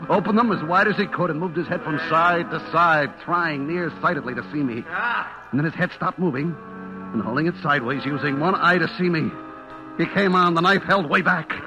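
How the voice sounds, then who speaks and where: A man's voice: a little high, expressive, moderate pace, poor audio. An actor playing a terrified, guilty man on the run, telling his story in a breathless, dramatic old radio suspense style. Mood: tense dread. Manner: breathless, dramatic, swinging from hushed dread to frantic cries. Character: terrified, guilty man hunted by a vengeful butcher. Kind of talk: 1940s-50s radio suspense acting, first-person narration. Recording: old-time radio broadcast with music behind. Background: dramatic music.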